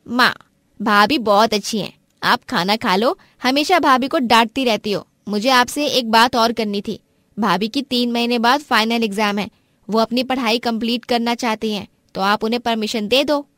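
A woman's voice: a little high, normal speed, a bit bright, no echo, studio quality, close to an everyday voice. Woman as a supportive, outspoken young sister-in-law. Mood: pleading, insistent. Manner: persuasive, supportive. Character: kind, outspoken young sister-in-law defending her bhabhi. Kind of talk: animated family story acting.

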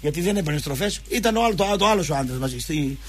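A man hosting a sports show, telling casual anecdotes and acting out the dialogue. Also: fairly high pitch. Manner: animated, acts out dialogue in quotes.

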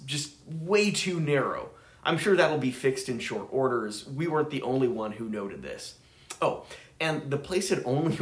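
A man's voice: medium pitch, a bit bright. An enthusiastic man in his thirties narrates his travels for his vinyl channel, chatty and eager. His voice sits mid-range, and the room around him adds a noticeable echo. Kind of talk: casual travel vlog narration. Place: room with record shelves.

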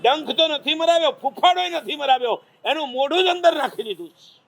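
High-voiced man preaching a sermon. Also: a little fast, creaky. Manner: lively storytelling, teasing the audience with questions. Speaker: Jain monk preacher.

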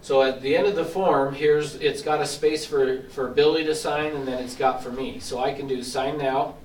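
A man training real estate agents, walking them step by step through signing software in a casual, explanatory way, a bit hoarse and clearing his throat as he loses his voice. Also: mid-range voice, fairly even intonation, normal speed. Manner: explanatory, casual, self-deprecating. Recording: echoey room from far off, faint hiss.

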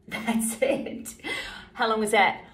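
Chatty kiwi woman doing her hair, highish voice, loud dryer noise behind. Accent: New Zealand. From New Zealand. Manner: chatty, bubbly, laughs often. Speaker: beauty vlogger. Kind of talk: casual hair tutorial. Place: bright home bathroom, indoors. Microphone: camera a few feet away. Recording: echoey bathroom, mic far off, loud noise.

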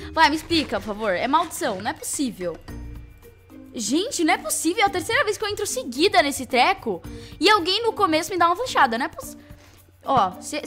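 A young woman, doing excitable, mock-boastful gameplay commentary. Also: sits high. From Brazil. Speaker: gaming channel host. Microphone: desktop studio microphone.

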